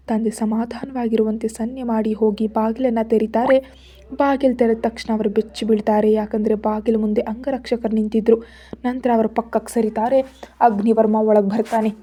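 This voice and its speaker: A woman narrating a dramatic story in a steady, even reading voice. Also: fairly high pitch, slightly rough.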